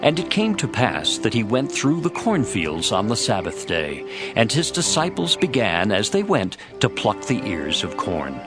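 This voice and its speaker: A man's voice: lowish voice, wildly swooping pitch, a little slow, hardly any pauses. A man narrating a dramatized scripture reading from a script. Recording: music behind the voice.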